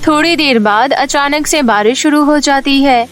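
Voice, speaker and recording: High-voiced woman narrating children's stories. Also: normal speed, a bit bright, soft background music. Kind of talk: scripted children's story narration.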